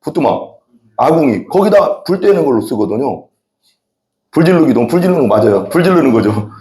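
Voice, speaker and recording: Animated folksy pastor, echoey hall. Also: male voice, mid-range voice, a little fast. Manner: rambling folksy storytelling. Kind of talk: sermon. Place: church sanctuary.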